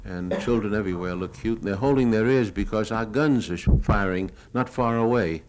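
Deep-voiced man narrating over noisy old recording. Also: fairly quick. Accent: American. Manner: matter-of-fact, hesitant reminiscing. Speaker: newsreel cameraman. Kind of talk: unscripted narration of his own home movies.

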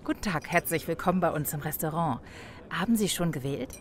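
Woman as a waitress, polite, quick-witted, low pitch. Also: lightly acted. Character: sassy female restaurant waitress, polite yet sharp.

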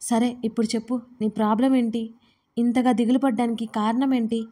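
A calm, protective young man comforts someone in a gentle, reassuring way, as a woman reads him aloud. The voice stays fairly high and mellow, with a very level, even delivery. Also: brisk, close to an everyday voice. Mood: soothing.

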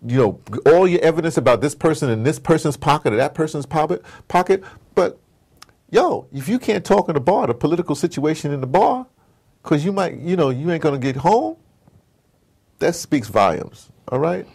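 A man's voice: a little high, moderate pace, gravelly, husky. A man being interviewed, giving passionate, informal political commentary with emphatic storytelling, slangy phrasing and rhetorical questions. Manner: animated, emphatic storytelling, acts out dialogue. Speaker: interview guest.

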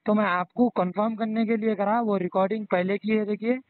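A man's voice: high-pitched, steady tone, fairly quick, no room sound. A man with a Hyderabadi accent explaining himself deferentially and repetitively as a caller on the phone. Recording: tinny narrowband phone line.

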